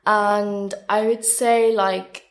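A woman's voice: medium pitch, level tone, drawn-out words. A woman born in Sri Lanka speaking candidly and emphatically as a guest in a casual interview, often saying "like". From born in Sri Lanka, moved abroad aged three or four. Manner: earnest, emphatic, frequent "like". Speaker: guest, beauty content creator.

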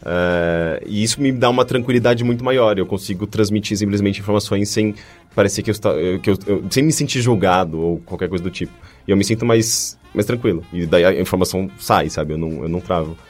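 A Brazilian man chatting casually as a podcast co-host, halting and stumbling over his words as he repeats them. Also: fairly low pitch, darkish tone. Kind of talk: casual conversation. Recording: music behind.

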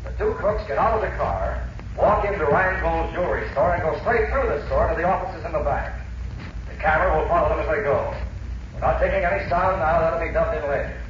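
A man playing a brisk film director giving clipped, authoritative orders in a 1940s radio drama. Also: fairly high pitch, lightly acted. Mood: commanding. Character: brisk, commanding film director shouting instructions on location. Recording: echoey, distant, dull noisy 1940s radio recording.

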